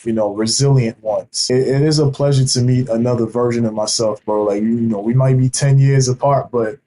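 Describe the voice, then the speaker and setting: A man's voice: mid-range voice, fairly even intonation, a little fast, warm tone, slight background noise, poor audio. A man from Haiti hosting a casual podcast interview over a video call, talking in a hype, slangy way. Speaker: podcast host.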